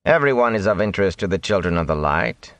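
A man voicing a cold, menacing cloaked zealot who speaks softly and slowly. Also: low voice, animated, no room sound. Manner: soft, slow, cold and suspicious.

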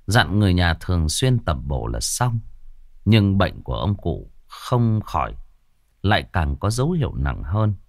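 A man's voice: sits low, darkish tone, dry recording, studio quality. A man narrating a ghost story with a dramatic storytelling delivery.

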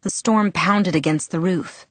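A woman reading a novel aloud in first person, steady and measured. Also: lowish voice, no echo. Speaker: audiobook narrator. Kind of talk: scripted first-person narration.

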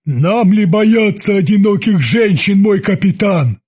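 A man's voice: high voice, animated, unhurried, darkish tone, slightly rough, heavily acted. A man voicing a burly, dim-witted, childish henchman with a whiny, naive way of pleading. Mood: naive eager.

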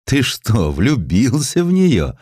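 A man's voice: medium pitch, wildly swooping pitch, slow, darkish tone, breathy edge, no room sound, studio quality, pitched above the performer's own voice, heavily acted. A man voicing a curious, pitying tavern keeper with an inquisitive, familiar manner in an audio story.

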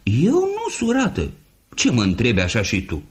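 A man voicing a flock of fussy female geese in a storybook poem. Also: wildly swooping pitch. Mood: shrill fussing. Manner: shrill, fussing.

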